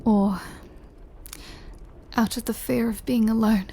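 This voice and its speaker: A woman playing a lonely, tender immortal vampire lover in an intimate audio roleplay, her voice breathy and often half-whispered, with an emotional delivery. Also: fairly high pitch, fairly even intonation, a little hiss or hum. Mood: melancholy, tender. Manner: slow, hushed, emotional delivery with long pauses.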